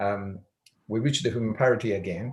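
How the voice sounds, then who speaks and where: A man talks with a Chinese accent at a moderate pace. His voice is somewhat breathy, with ordinary pitch variation. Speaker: AI technology executive. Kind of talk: lecture.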